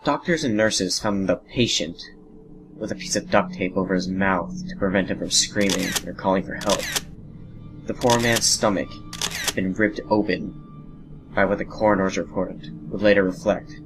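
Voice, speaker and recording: A man narrating a scripted horror story in a measured, dramatic way, pausing between phrases. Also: sits low, steady tone, low-quality recording. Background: music under the narration.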